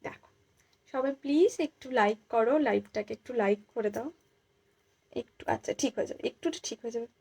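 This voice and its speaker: Hoarse woman selling jewellery live. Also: on the high side, moderate pace, pauses often, rough recording. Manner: speaks softly to spare her voice, repeats prices over and over. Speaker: live-stream jewellery seller. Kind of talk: casual live-stream selling chat.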